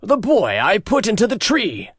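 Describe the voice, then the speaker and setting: A man voicing a gentle, fiercely protective giant in a fairy tale, with slow, drawn-out, emphatic words. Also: high voice, huge pitch swings, husky, no echo, studio quality, pitched above the performer's own voice, heavily acted. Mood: kindly. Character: gentle giant, male, huge, big-hearted, fiercely protective. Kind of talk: storybook character voice in narrated fairy tale.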